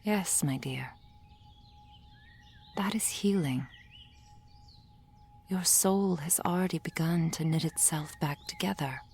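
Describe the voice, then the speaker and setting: A woman playing a gentle, reassuring soul healer in an ASMR roleplay, speaking in a soft, formal whisper. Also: low voice, takes it slowly, gravelly, pauses often, a little hiss or hum, heavily acted. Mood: soothing whisper.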